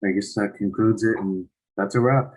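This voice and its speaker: A young man in his late teens, a student talking casually in a tentative, measured way. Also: on the low side, steady tone, a little mellow. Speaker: high school student in conversation. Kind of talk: casual conversational interview.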